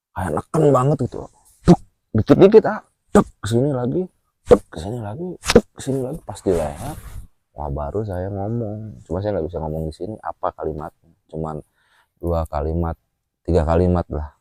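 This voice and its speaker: In a relaxed, casual storytelling chat, a male guest recounts something that happened to him, his lowish, mellow voice swinging widely in pitch. He's animated, acting out gestures and dropping frequent fillers like "ah" and "A." The audio is dry and close, with no room sound.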